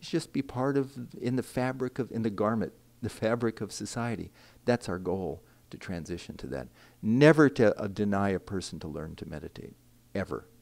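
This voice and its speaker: An unremarkable speaking voice from a man, fairly low in pitch, with lively intonation and big swings in loudness at a fairly quick pace. The recording is very clean, with a silent background. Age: 60s. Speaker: radio host and meditation teacher. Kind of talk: interview.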